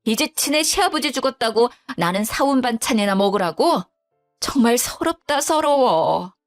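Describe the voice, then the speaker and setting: A woman's voice: on the high side, very animated, normal speed, fairly bright tone, faint music behind. Woman doing a curt grumbling old mother-in-law. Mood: resentful. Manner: blunt, sulky, self-pitying.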